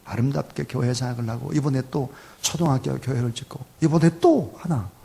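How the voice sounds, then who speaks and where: Gravelly Korean pastor preaching. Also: male voice, medium pitch, fairly quick. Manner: gravelly voice, swings between soft asides and loud emphatic lines. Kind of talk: sermon.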